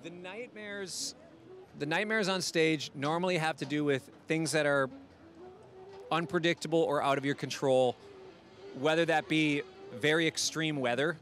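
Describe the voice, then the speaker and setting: A man from Minneapolis, a touring musician, giving relaxed, rambling answers in an interview. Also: a little high, normal speed, faint music behind. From Minneapolis, USA.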